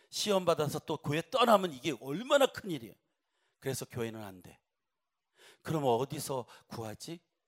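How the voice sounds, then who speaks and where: Spoken at a moderate pace with long, frequent pauses, the voice swings widely in pitch and varies greatly in loudness, recorded dry and close with no echo. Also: man, fairly high pitch for a man. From Brazil (Korean immigrant community, São Paulo). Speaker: pastor. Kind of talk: sermon. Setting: church revival meeting with audience.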